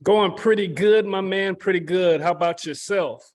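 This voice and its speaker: A man's voice: high voice, moderate pace, a little mellow. A man co-hosting a casual sports podcast, laid-back and slangy, drops short affirmations as he listens. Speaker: podcast co-host, former player.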